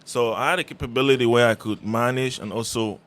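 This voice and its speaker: A man's voice: medium pitch, steady tone, brisk, a bit bright. A man from Cameroon, a musician guest talking in a friendly, rambling way with many fillers. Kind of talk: casual radio interview. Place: radio studio.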